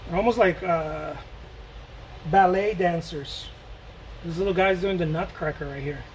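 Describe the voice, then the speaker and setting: A man's voice: high voice, measured pace, slight background noise, low-quality recording. A man from Mexico chatting casually while he paints live, rambling and joking and answering viewer questions as he goes.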